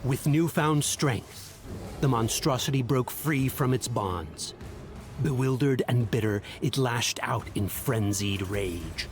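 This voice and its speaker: A man narrating a dark fantasy game tale as a grave storyteller, in a solemn, dramatic, measured manner. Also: medium pitch, lively intonation, faint music behind.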